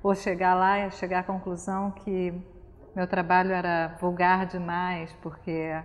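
A woman's voice: fairly low pitch, long reverb tail, lo-fi sound. A woman in her thirties, an artist guest, chatting animatedly and laughing in a studio. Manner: animated, laughs often, quick to agree. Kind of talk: casual interview conversation.

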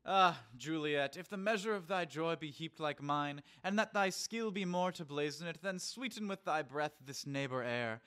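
A man playing an excitable, cocky high school boy who acts Romeo, dramatic and emphatic, in an audio drama. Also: normal speed, few pauses, smooth. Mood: lovestruck, florid.

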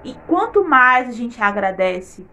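A woman's voice: a little high, very animated, unhurried, pushed and bright, dull audio. A woman giving an earnest faith testimony in her vlog, repeating words for emphasis.

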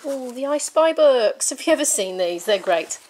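A woman's voice: high voice, animated, normal speed, a little mellow. Uk woman in her 30s rambling happily into her camera at home, a bit of faint hiss. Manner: chatty, enthusiastic, thinking aloud while sorting. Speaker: vlogger. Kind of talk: casual vlog chat. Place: living room at home, indoors. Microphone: handheld camera mic, filming herself close up.

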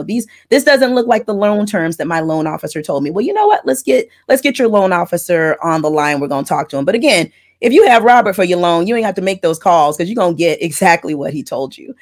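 A woman's voice: on the low side, animated, quick pace. A middle-aged woman from Florida, raised in Texas, talking at length about her notary work in a casual video-call interview from her home office. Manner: wordy, chatty, explains in detail. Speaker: mobile notary loan signing agent and channel host. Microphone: earbud headset on a video call.

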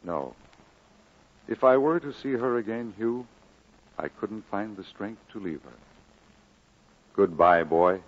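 An actor playing a solemn, declamatory preacher full of grief and conviction, in mid-century radio drama style. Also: male voice, lowish voice, slow, long pauses. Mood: tender, sorrowful. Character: impassioned, grieving preacher leaving his valley, firm and commanding. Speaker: minister. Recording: muffled old radio recording.

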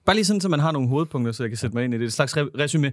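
A man co-hosting a podcast in casual chat, who mumbles a little and rushes his words. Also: medium pitch, expressive, no room sound, clean studio sound. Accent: Danish. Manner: mumbles and talks fast, words tumbling. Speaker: podcast co-host. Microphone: studio microphone.

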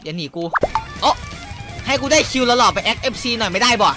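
A young man doing casual gameplay commentary, loud and crude, with excitable trash talk aimed at other players. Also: high-pitched, fast talker. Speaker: gaming YouTuber. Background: loud game music.

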